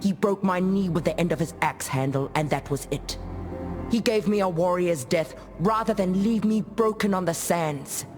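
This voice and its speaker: An actress playing a proud, solemn dead female warrior chieftain in a video game, telling tribal lore in a measured, formal way. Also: fairly low pitch, darkish tone, faint music behind, lightly acted. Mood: proud, grave. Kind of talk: video game character monologue, storytelling.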